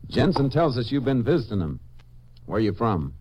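A man playing a calm, shrewd American Texas Ranger, dry and authoritative, in a 1950s western radio drama. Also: medium pitch, moderate pace, noisy background, close to an everyday voice. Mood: dry, probing. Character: calm, shrewd male Texas Ranger, dryly probing suspects.

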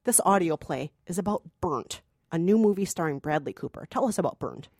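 A woman's voice: lowish voice, lively intonation, brisk, darkish tone, dry recording. Emphatic woman, close dry sound. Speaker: podcast co-host, film critic. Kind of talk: casual film review chat.

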